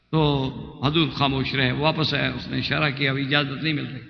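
High-voiced man preaching in a reverberant hall. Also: creaky. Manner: storytelling, recites verses in a chanting lilt. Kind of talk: sermon. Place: mosque hall. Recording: muffled recording with long hall reverb.

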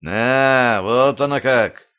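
A man voicing a gruff, commanding middle-aged boyar warrior in an audiobook, mocking and bold in manner. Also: mid-range voice, very slow. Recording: slightly dull lo-fi audio.

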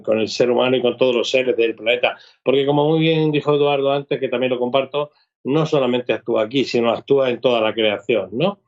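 A man's voice: medium pitch, creaky, dull audio. A man speaking as a guest in a spiritual conversation, assured and emphatic.

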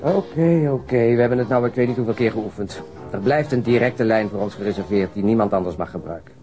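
An actor playing a blunt, impatient police detective in a radio drama, speaking in a gruff, colloquial way. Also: male voice, lowish voice, a little mellow, natural voice.

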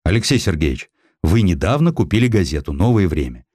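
A man playing an earnest, burdened historian officer, measured and reflective, in a dramatized audiobook. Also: sits low, big pitch swings, a little mellow, husky, no room sound, studio quality, exaggerated voice. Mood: polite, hesitant. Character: earnest, burdened male historian colonel, polite and candid.

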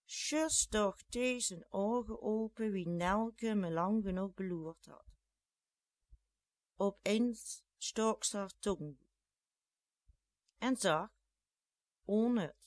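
Flemish dialect reader: very slow, deliberate narration, dry close mic. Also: mid-range voice, dry recording. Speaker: storyteller. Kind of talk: slow dialect story reading.

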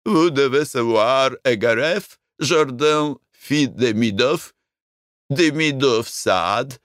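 A man's voice: mid-range voice, slow pace, fairly bright tone, no room sound, clean studio sound, pitched above the performer's own voice. A man doing a gushing fat French ex-singer. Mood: theatrical. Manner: gushing, theatrical. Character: fat middle-aged French former singer, effusive.

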